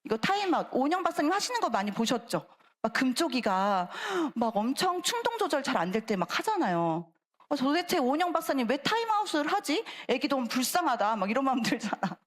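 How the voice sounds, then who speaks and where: Lively high-voiced woman giving a church talk. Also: fairly quick. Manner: animated, acts out quoted voices, chatty asides. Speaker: church lecturer. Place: church sanctuary.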